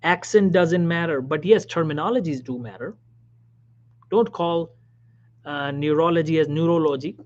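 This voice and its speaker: A man, a physician, giving career advice in a motivational talk, emphatic and repetitive, dropping now and then to a soft whisper. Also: on the high side, moderate pace, pauses often. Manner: emphatic, repeats key phrases, drops suddenly to soft whispers. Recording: dull lo-fi recording.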